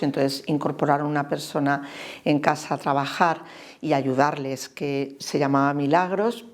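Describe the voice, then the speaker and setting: A woman's voice: low-pitched, creaky. A woman in her fifties from Spain with a Spain Spanish accent, giving a hesitant, reflective personal testimony. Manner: hesitant, many pauses and soft fillers. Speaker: interviewee giving faith testimony.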